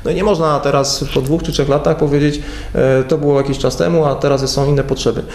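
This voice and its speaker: Gravelly man, hesitant county official. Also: a little high, fairly even intonation, darkish tone. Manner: measured, hesitant with many fillers. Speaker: county head. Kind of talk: local TV interview. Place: TV studio at a table. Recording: echoey studio room.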